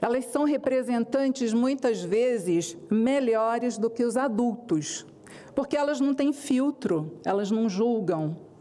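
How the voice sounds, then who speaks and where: A woman speaks in a Brazilian accent with a high pitch and a dark, mellow tone, her lively intonation paired with very even loudness and a very slow pace. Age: 60s. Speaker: educational psychologist and family constellation therapist. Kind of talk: formal speech at a special session. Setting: senate session hall. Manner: halting, with filler hesitations.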